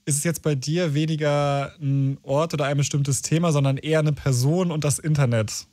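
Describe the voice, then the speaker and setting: Male radio host, mid pitch, rambling, dry close studio sound. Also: steady tone, normal speed, darkish tone, dry recording. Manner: rambling, filler-heavy. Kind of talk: casual radio talk.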